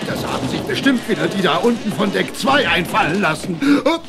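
An actor playing a brash, griping cartoon animal deckhand with exclamatory delivery. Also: male voice, high-pitched, very animated, brisk, vocal fry, full character voice. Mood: irritated. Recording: loud music underneath.

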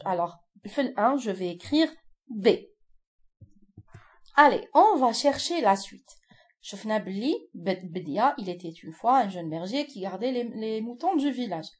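A woman teacher with an Algerian accent, explaining a lesson patiently step by step and checking in with her students. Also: on the high side.

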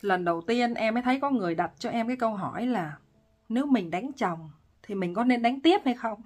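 A woman relationship counselor giving casual advice, talking with lively emphasis and frequent laughter. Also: on the high side, brisk.

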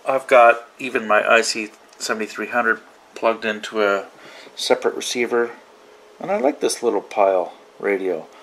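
A man's voice: on the low side, expressive, moderate pace, a bit bright, a little hiss or hum. A man casually demonstrating gear in a hobby vlog, rambling and thinking aloud as he goes. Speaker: radio hobbyist demonstrating receivers. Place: small indoor radio desk.

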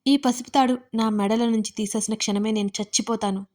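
Woman voicing tearful young bride in audio storybook, frightened yet stubborn, soft pleading, high voice. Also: fairly even intonation, fairly quick, natural voice.

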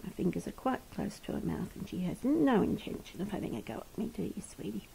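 A woman with a mellow, gravelly voice speaks gently to a rescued animal in her kitchen, often slipping into a whisper. She talks as she feeds it, filmed on a head-mounted camera. A faint hiss sits under the recording. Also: medium pitch, animated, fairly quick. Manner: soft, coaxing, often whispering. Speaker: bat rescuer and carer. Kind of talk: gentle commentary while feeding an animal. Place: home kitchen, indoors.

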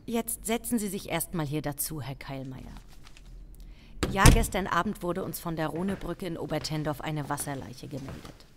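An actress playing an authoritative female police chief in an audio crime drama, formal, measured and commanding. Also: deep voice, background noise. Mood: calm, formal. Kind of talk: German audio drama acting.

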